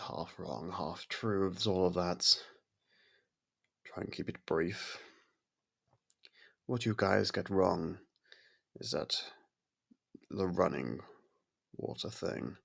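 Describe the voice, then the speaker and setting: A man playing a courteous, brooding vampire in an intimate ASMR audio roleplay, with a gravelly, husky voice and halting, hushed delivery. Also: low voice, exaggerated voice. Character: brooding male vampire, courteous, softened toward a human. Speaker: voice actor.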